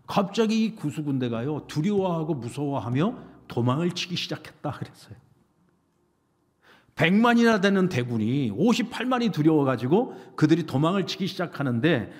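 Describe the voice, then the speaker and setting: Animated Korean pastor preaching in a church. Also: male voice, fairly high pitch, normal speed. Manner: animated, rhetorical questions to the congregation. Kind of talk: sermon. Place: church sanctuary. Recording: reverberant church sanctuary.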